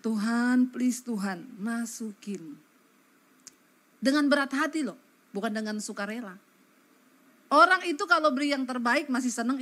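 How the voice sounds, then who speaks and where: Woman pastor, fairly high voice; animated, colloquial storytelling sermon that addresses the congregation.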